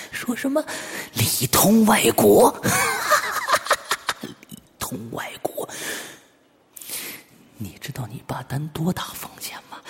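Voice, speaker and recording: A man's voice: mid-range voice, a bit bright, exaggerated voice. A man voicing a crazed snarling madman. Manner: hoarse growling, manic laughter, swings from roars to hisses. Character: deranged middle-aged man, snarling and vengeful.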